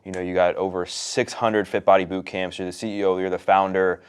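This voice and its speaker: A man's voice: deep voice, little pitch movement, a little fast, smooth. A man hosting a podcast, introducing his guest in a blunt, casual way with some swearing. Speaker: podcast host. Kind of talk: casual interview.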